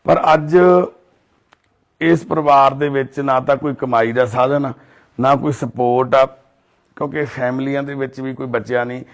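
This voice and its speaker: A man's voice: medium pitch, fairly even intonation, normal speed. Earnest Punjabi man, narrating. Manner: earnest, soothing, speaks of divine duty. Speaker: charity volunteer host. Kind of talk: documentary narration and consoling talk. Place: outdoors in a residential colony.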